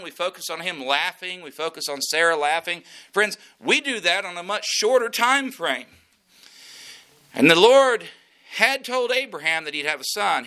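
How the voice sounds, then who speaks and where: A man preaches a sermon with a drawl, in a folksy storyteller's way. His voice sits a little high and sounds very bright and edgy. He moves from scripture into homespun anecdotes. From West Texas. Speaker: pastor.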